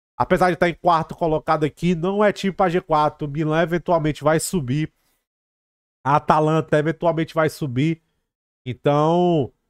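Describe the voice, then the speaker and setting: This man has a fairly high pitch and speaks at a moderate pace. The sound is dry with no echo, over a quiet background. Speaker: football commentator. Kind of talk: heated sports commentary, opinionated rant. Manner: animated, emphatic. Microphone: studio mic.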